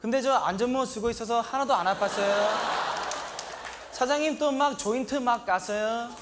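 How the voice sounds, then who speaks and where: In a comedy monologue, a naive, earnest young migrant worker with a Sri Lankan accent and a strikingly high voice speaks plaintively in short, broken, simple Korean sentences at normal speed. He breaks into a shouted, indignant catchphrase. The recording is very noisy.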